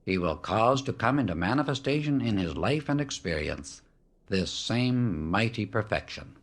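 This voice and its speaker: A man with a fairly low voice narrates a spiritual audiobook. His delivery is solemn and measured, with each phrase set out as a firm declaration. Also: expressive.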